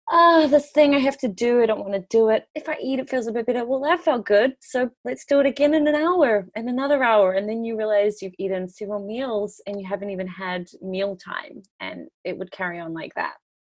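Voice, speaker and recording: Speaking fairly quickly with hardly any pauses, a woman with a New Zealand accent uses a fairly high voice, lively intonation, and big swings in loudness. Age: 30s. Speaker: former coaching client. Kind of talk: interview testimony. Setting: podcast interview.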